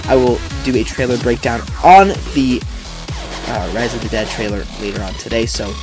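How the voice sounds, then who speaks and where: Young male gaming host, mid-pitched, casual and excitable play-by-play, chatty with viewers, music underneath. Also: normal speed. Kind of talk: live gameplay commentary, casual. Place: indoors, voice-over on game footage.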